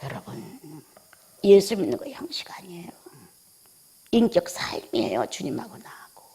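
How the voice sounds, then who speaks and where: Woman pastor, sermon; breathy voice, lively pitch, lurches from loud emphasis to near-whispers, scolds with rhetorical questions. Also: normal speed. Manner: swings between emphatic exclamations and hushed near-whispers.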